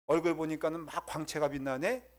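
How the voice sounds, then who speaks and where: A man's voice: fairly high pitch, steady tone, a little fast, close to an everyday voice. A man preaching a sermon voices a puzzled middle-aged man who muses to himself in disbelief. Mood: baffled. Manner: incredulous, musing to himself.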